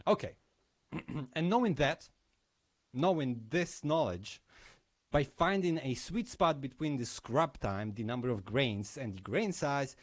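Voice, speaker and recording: A man speaking at a conference, talking through a technical lesson. He explains live demos in a slow, unhurried way. His pitch moves around a lot as he talks. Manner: explanatory, with demo commentary.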